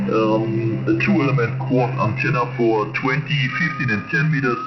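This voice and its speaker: At a fairly slow pace, the speech comes with music in the background and audible room echo. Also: man. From Germany. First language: German. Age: 50s. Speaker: amateur radio operator. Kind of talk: radio contact exchange. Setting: on-air amateur radio transmission. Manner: halting.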